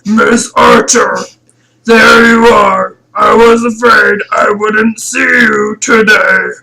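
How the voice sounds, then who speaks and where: A woman voicing a wistful aristocratic ice queen from a visual novel, in a strained, gravelly voice with slow, drawn-out delivery. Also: on the high side, steady tone, bright, forceful tone, voice pushed up, exaggerated voice, poor audio. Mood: wistful, teasing. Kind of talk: hammy visual novel character read-aloud.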